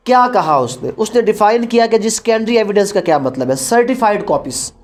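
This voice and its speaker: A woman with a Pakistani accent lecturing as a law teacher, posing questions and answering them herself, mixing Urdu with English terms. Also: medium pitch. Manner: didactic, asks questions then answers them.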